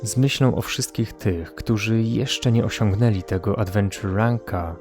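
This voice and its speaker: A man's voice: lowish voice, darkish tone. A Polish man giving scripted narration as the creator of a gameplay video.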